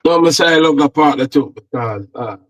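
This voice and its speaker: A man's voice: fairly high pitch, lively intonation, normal speed, fairly bright tone. A Jamaican man, a football analyst, chatting casually and rambling with repeated words. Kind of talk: casual chat.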